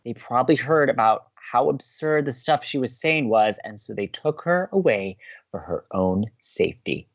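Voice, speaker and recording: A man's voice: mid-range voice, lively intonation, moderate pace, dull audio. A young man acting an earnest, emphatic college radio co-host who believes in romance, in a scripted romantic comedy audio drama. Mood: stubborn denial.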